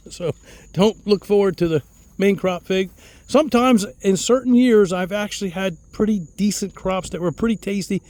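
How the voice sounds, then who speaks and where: A man's voice: high-pitched, a little mellow, no room sound. Chuckling man rambling about his fig trees. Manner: chuckling, rambling, repeats words. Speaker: fig grower and channel host. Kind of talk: casual storytelling vlog.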